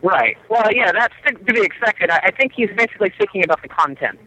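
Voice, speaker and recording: Man caller, bright tense edge, slightly high voice, stumbling self-mocking banter. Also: animated, fast talker, low-quality recording. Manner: stammering, self-mocking joker. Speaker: caller reporting from a theme park. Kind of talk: casual phone chat.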